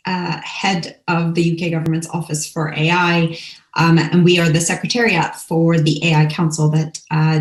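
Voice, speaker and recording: Low-voiced woman in an echoey room. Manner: friendly, some fillers. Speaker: government office head. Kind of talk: panel self-introduction.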